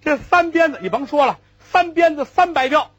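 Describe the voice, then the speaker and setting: A man voicing a crafty, vengeful old male cart driver who haggles in a drawn-out, gleeful way. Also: very high voice, lively intonation, dull audio, faint music behind, voice pushed up. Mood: sly.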